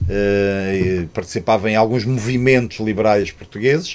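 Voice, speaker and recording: A man speaks using ordinary pitch variation. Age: 60s. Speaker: politician. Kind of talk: interview. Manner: halting.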